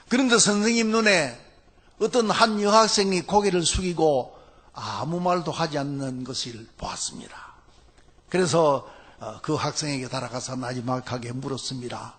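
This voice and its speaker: A male pastor telling a story in a Sunday sermon, unhurried and full of hesitant fillers between phrases. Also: fairly high pitch, a bit bright, breathy edge.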